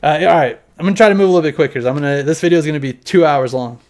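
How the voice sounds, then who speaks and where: In a room at home with his collection on display, a man in his thirties talks casually to the camera, rambling loosely and swearing now and then as he shows it off. His voice is fairly high, very fast, and darkish in tone.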